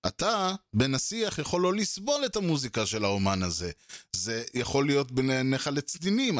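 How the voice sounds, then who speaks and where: On his solo podcast, a man with a mid-range voice muses aloud conversationally, restarting often and using many fillers. He regularly performs both sides of an argument as quoted exchanges, and the clean studio sound has no room ambience.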